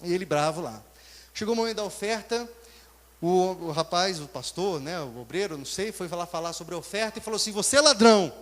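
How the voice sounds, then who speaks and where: A man with a Brazilian Portuguese accent, a pastor preaching a sermon and telling a story in a lively way, swinging between loud and soft. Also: sits high, fairly quick, in a large hall.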